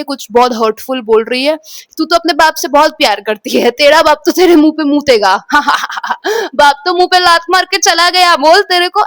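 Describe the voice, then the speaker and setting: High-voiced young woman telling a story. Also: dry recording. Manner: mixes Hindi with English phrases, acts out quotes; repeats words, addresses viewers as guys. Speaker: vlogger. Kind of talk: emotional personal storytelling.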